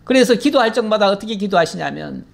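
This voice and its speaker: A man's voice: high voice, lively intonation, fast, creaky. A middle-aged male pastor giving a folksy, conversational Bible teaching sermon, acting out prayers in a pleading voice. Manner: folksy, acts out prayers in a pleading voice, laughs often.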